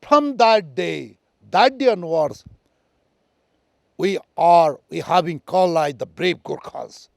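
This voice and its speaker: A man from Nepal with a Nepali accent gives a history lecture in halting, non-native English, proud and emphatic. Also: on the high side, animated, creaky, dry recording, studio quality. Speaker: speaker on military history. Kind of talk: lecture on history, addressed to listeners.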